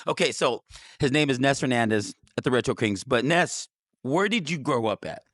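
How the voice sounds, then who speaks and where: A man's voice: medium pitch, expressive, moderate pace, a bit bright, no room sound, studio quality. A man hosting a podcast, asking questions in an encouraging, casual way. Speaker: podcast host. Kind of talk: casual interview.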